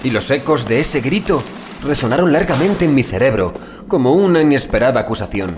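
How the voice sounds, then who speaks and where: A man reading a scripted horror story as an audiobook narrator, in a grave, deliberate dramatic manner with drawn-out phrase endings. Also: mid-range voice, lively intonation, background noise. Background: music bed.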